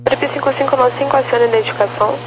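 A woman's voice: high voice, fairly even intonation, racing. A woman giving procedural air traffic control instructions over the radio, reading numbers digit by digit. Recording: dull, noisy radio with hum.

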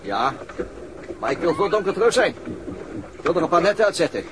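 A man's voice: high-pitched, sing-song, brisk, noisy background. An actor playing an easygoing middle-aged father on holiday, casual and dryly grumbling, in a naturalistic drama. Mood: relaxed.

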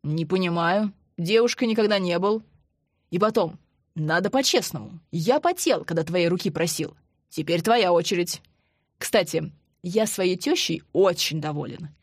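A woman's voice: on the low side, moderate pace, slightly rough, no room sound. A woman voicing a young man who talks in a dry, teasing way. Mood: wry. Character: young man, wry and joking.

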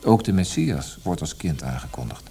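A thoughtful, disillusioned poet talks in a low, dark, mellow voice. He is reflective and dryly ironic, in the natural manner of radio drama. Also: sing-song, normal speed, creaky, faint music behind, heavily acted. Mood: wry, reflective. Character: disillusioned Austrian poet, thoughtful and wry husband.

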